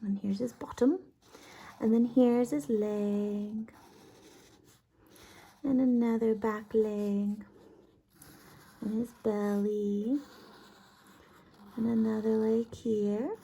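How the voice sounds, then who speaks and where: A woman's voice: on the high side, steady tone, drawn-out words, creaky, pauses often, warm tone, breathy edge, rough recording. A woman kindergarten teacher explaining a lesson casually, step by step, in an informal, encouraging way.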